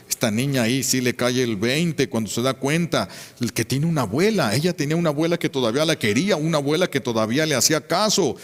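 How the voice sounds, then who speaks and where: A priest preaching a sermon with emphatic, fervent delivery. His voice sits fairly high for a man. It echoes with a long reverb in a church.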